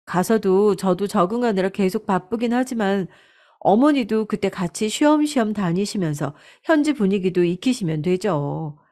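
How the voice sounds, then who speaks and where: A woman's voice: medium pitch, expressive, moderate pace, a little mellow, close to an everyday voice. A woman voicing a scheming eldest daughter-in-law who talks sweetly but insistently, pressing her mother-in-law in a storybook drama. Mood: coaxing. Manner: persuasive, pushy, sweetly insistent.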